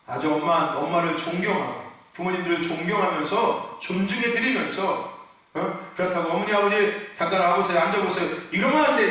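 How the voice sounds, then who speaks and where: Animated high-voiced male pastor, echoey church. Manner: animated preaching, asks the congregation questions and acts out whiny complaints; calls out hallelujah and amen. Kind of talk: Friday sermon. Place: church sanctuary. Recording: very echoey church hall, mic at a distance.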